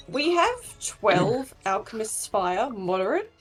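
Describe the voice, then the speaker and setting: Husky, lively woman player. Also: mid-range voice, takes it slowly, soft background music. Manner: giggly, joking. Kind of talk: casual table talk.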